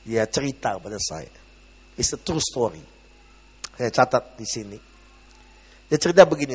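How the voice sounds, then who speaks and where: A man preaching a sermon as a pastor, telling a story dramatically, shouting the lines of the people in it and calling the congregation to clap. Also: medium pitch, breathy edge, long reverb tail.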